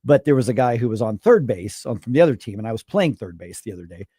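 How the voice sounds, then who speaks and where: A man's voice: mid-range voice, sing-song, mellow, breathy edge, no room sound, clean studio sound. Chatty fifties man hosting radio talk. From United States. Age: 50s. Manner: chatty, halting, with restarts and laughs. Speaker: radio talk show host. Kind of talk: casual radio interview. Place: radio studio. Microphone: studio microphone.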